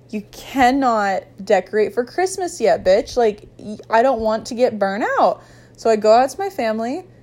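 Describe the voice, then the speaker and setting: A woman's fairly high voice at a moderate pace, lively in intonation, with noticeable background noise. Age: 20s. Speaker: solo podcaster, college student. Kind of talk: casual monologue. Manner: animated.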